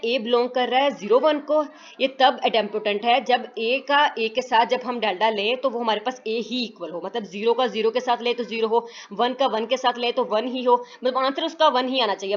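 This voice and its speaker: A woman tutor explaining math proofs in a recorded lecture, halting with fillers and self-corrections, mixing in English terms. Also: fairly high pitch, dull audio.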